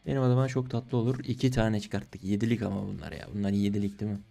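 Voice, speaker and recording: A young man giving casual, slangy gaming commentary while opening cases, excitable and pleading, groaning at bad results. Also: fairly low pitch, quick pace, vocal fry. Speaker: case-opening streamer. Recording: faint music behind.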